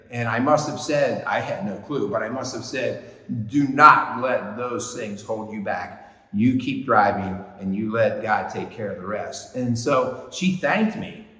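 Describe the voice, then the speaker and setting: Over noticeable background noise and audible room echo, a man speaks at a fairly slow pace with hardly any pauses, his medium pitch showing ordinary variation. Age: 60s. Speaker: podcast host. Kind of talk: motivational monologue. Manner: conversational, with frequent fillers and repeats.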